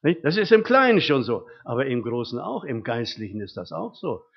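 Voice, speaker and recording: A man's voice: mid-range voice, very animated, fairly quick, creaky, breathy edge. An older man preaching a sermon, telling homely stories from his life and often tagging his sentences with rhetorical questions. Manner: folksy storytelling with frequent rhetorical tag questions. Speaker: lay preacher. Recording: dull, muffled recording.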